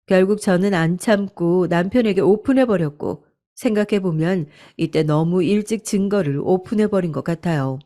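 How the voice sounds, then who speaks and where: A woman's voice: fairly low pitch, moderate pace, mellow. A woman narrating a true-story radio drama in the first person, earnest and confiding.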